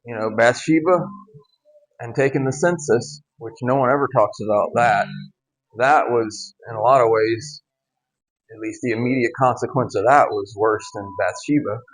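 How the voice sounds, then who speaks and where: A man's voice: mid-range voice, poor audio. Casual man teaching scripture, wry asides. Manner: conversational, wry, with asides and quick laughs. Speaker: Bible teacher. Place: home gym.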